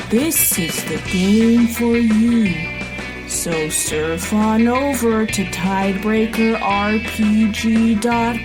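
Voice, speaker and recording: Laid-back surfer turtle doctor, played by a woman, unhurried promo read for a podcast, guitar music underneath. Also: medium pitch, lightly acted.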